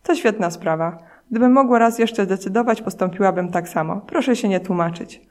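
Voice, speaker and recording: A woman's voice: mid-range voice, brisk, darkish tone, natural voice. A woman reading the lines of a cheerful, reassuring dead woman in a book excerpt, in a plain reading voice.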